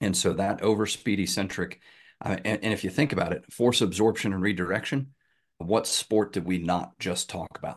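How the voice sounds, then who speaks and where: A man with an American accent has an unremarkable speaking voice, pitched fairly low with ordinary variation. The background is quiet. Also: moderate pace. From US South, Roanoke, Virginia. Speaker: kettlebell coach and athletic trainer. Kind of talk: casual interview.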